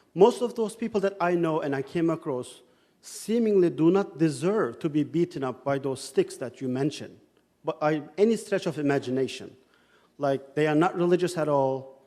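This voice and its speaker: This man speaks with a Turkish accent at a moderate pace, his pitch fairly high and his intonation lively. His tone is dark and mellow, set against a quiet background. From Turkey. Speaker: audience member asking a question. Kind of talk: Q&A after a lecture.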